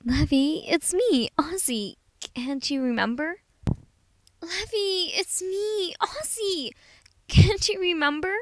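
A woman voicing a gentle, pleading long-lost friend in a dramatic anime-style audition reading. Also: very high-pitched, lively intonation, slow pace, pitched above the performer's own voice, full character voice.

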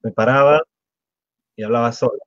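A man's voice: medium pitch, steady tone, normal speed, dry recording, highs cut off. A man from Latin America interviewing a guest in a casual online chat, chiming in with short agreements.

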